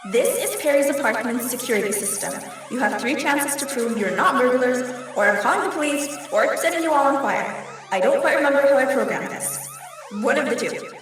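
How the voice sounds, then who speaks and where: A woman playing a sassy, matter-of-fact female jinn and her deadpan security system in scripted audio fiction. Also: sits high, a little fast, very echoey, over music. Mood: deadpan, officious.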